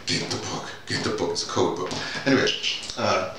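In a bare-walled little office, a deep-voiced playwright and audio drama director rambles about his writing for a casual vlog, halting, repeating words and digressing as he goes. The camera mic sits a few feet away, leaving the sound distant and echoey with background noise.

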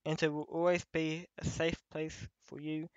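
A man playing a gentle, nostalgic childhood teddy bear in an ASMR roleplay, speaking tenderly and wistfully with frequent pauses. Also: on the high side, little pitch movement, smooth, no echo, muffled recording, close to an everyday voice. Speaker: voice actor. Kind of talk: ASMR roleplay addressed to listener.

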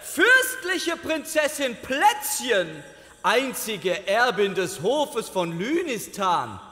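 A man's voice: extremely high pitch, big pitch swings, takes it slowly, pushed and bright, heavily acted. An actor playing a flustered, pompous palace herald in an audio drama, theatrical and stammering in his ceremonious speech. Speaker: court announcer. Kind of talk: German audio drama acting. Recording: reverberant hall.

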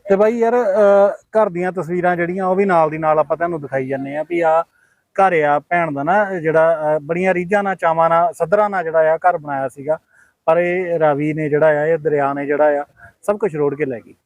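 A man's voice: a little high, dry recording. Soothing Punjabi man host. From Punjab, India. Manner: soothing, consoling, drawn-out phrasing. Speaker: interviewer and show host. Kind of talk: field interview and narration.

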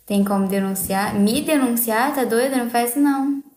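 A woman's voice: on the high side, normal speed, darkish tone, echoey room, a little hiss or hum. A young adult woman with a Brazilian accent chatting casually and playfully on a livestream. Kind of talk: casual live-stream chat. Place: small indoor room at home.

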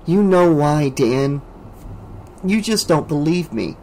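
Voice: mid-range voice, lively intonation, slow pace, mellow, slight background noise. A reader voicing a frightened, haunted teenage girl who talks tremulously and pleads to be believed. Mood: weary. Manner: tremulous, whispering.

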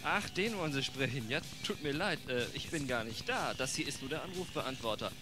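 A man records an answering machine greeting in a casual, chatty way. His voice rises and falls a lot as he talks. Loud music plays behind him throughout. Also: medium pitch, animated, a little fast.

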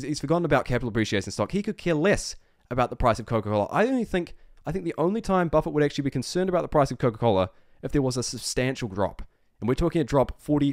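A medium-pitched man hosts an investing video, giving off-the-cuff stock analysis. He speaks emphatically with repeated phrases and rhetorical questions, recorded at studio quality with no room sound.

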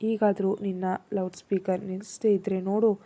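A brooding young husband who speaks curtly and seriously, as a woman storyteller reads him. The voice is dark and soft-edged with a husky grain. He comes across as a storybook character read aloud. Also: mid-range voice, little pitch movement, a little fast, lightly acted. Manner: curt, serious.

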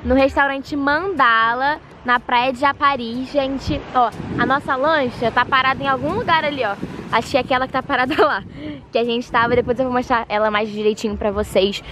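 Young woman vlogger, a little hoarse, bright chatty delivery, fairly high voice, handheld camera audio with clear background noise. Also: fairly even intonation, brisk. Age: young adult. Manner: chatty, upbeat, addresses viewers with diminutives. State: hoarse, losing her voice. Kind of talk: casual travel vlog to camera. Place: outdoors at a beach and on a boat, later indoors in a flat. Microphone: handheld camera at arm's length.

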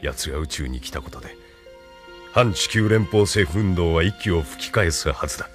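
An actor playing a stern, cold military colonel who gives orders in a measured, commanding tone in an anime radio drama. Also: male voice, low-pitched, animated, faint music behind.

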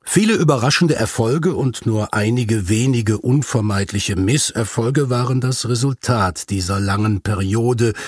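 Man reading an audiobook, husky and dry. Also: medium pitch, dry recording. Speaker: audiobook reader. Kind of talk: scripted narration, reading a detective story.

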